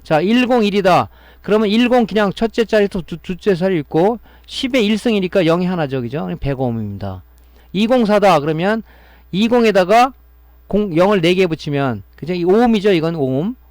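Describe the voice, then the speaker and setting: A man's voice: high-pitched, very animated, normal speed, darkish tone, no echo. Man lecturing on circuit repair. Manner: explaining step by step, often adding a tag question to check understanding. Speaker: electronics repair instructor. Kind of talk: classroom-style technical lecture.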